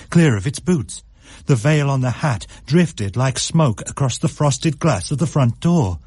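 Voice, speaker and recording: A man narrating a spooky story in a measured, suspenseful way. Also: mid-range voice, a little mellow, husky, dry recording, clean studio sound.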